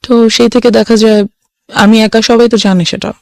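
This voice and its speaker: A woman's voice: a little high, level tone, normal speed, gravelly, darkish tone, no room sound. A young woman telling her personal life story as a guest on a radio show, earnest and mixing English phrases into her talk.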